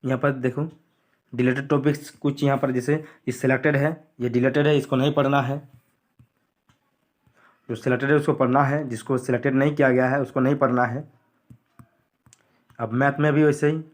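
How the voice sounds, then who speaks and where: A man going through a school syllabus on screen, repeating what to study and what to skip in a plain explanatory way. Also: mid-range voice. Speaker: teacher.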